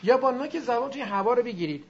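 Animated classroom teacher who sounds out letters and quizzes students; gravelly, recorded lo-fi with faint noise. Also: mid-range voice. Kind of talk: classroom lesson on Arabic grammar and pronunciation.

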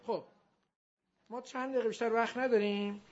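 A male teacher giving a classroom grammar lesson, drilling his students and drawing out example words slowly. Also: very high-pitched, fairly even intonation, background noise. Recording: dull lo-fi recording.

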